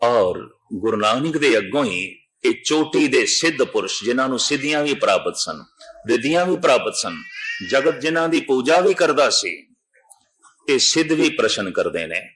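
An older man with a Punjabi accent preaching a Sikh sermon, telling a story and drawing out quoted verses slowly. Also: medium pitch, sing-song, a bit bright, poor audio. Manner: measured, slows to draw out quoted verses. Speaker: Sikh preacher giving katha.

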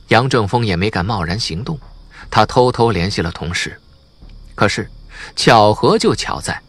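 A man's voice: lowish voice, fairly bright tone, breathy edge. A man reading a suspense crime novel as a scripted audiobook narration.

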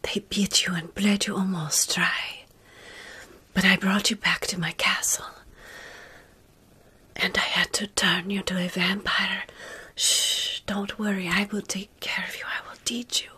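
A woman in her thirties whispering slowly and soothingly in an ASMR roleplay, playing a caring, centuries-old vampire close to the microphone. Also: mid-range voice, level tone, slightly rough. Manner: soothing, hushing, slow and deliberate.

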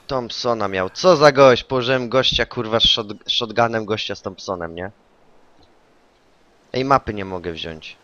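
Excitable male game streamer, lo-fi sound. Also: fairly low pitch, normal speed. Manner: excitable, swears, yells taunts in English on kills. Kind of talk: casual gaming chat with a teammate.

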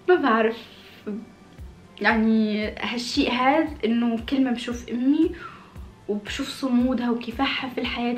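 Answering questions from viewers, this late-twenties woman talks in a casual, expressive way with a slightly high voice. The small indoor room, hung with red curtains, gives an echoey sound.

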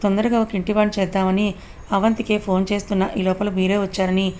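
An easygoing young boss questions his friends directly and plainly, voiced by a woman reading the story. His mid-pitched voice stays fairly level, with a faint hiss in the background. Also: flat delivery, quick pace, darkish tone, close to an everyday voice. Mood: firm.

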